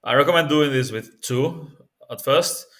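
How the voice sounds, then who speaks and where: A man with a Spanish accent walks through a language tip in an easygoing, off-the-cuff way. He often pauses on fillers and checks in with "yeah?" and "right?". His voice sits at a middle pitch for a man. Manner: relaxed and thinking aloud, with frequent fillers and tag questions. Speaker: language-learning video host. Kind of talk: casual spoken tutorial.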